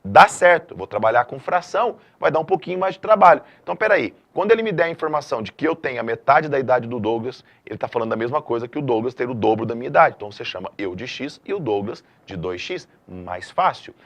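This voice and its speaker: Middle-aged male math teacher, mid-pitched, lively and emphatic lesson delivery. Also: fast talker, few pauses, muffled recording. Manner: lively, emphatic classroom delivery with frequent checks like "tá?". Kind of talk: video lesson.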